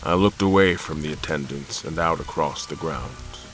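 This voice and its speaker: An actor playing a weary, formal admiral who narrates his own ordeal in a measured, world-worn way for an audio drama. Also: a bass voice, fairly bright tone, soft background music. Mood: somber. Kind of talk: first-person audio drama narration with dialogue.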